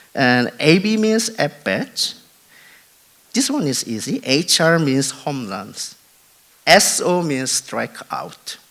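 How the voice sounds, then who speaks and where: In a Korean accent, a man with a high pitch speaks at a very slow pace, with long, frequent pauses and very wide pitch swings. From South Korea, Busan. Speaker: journalist. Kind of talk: conference talk. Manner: halting, many fillers.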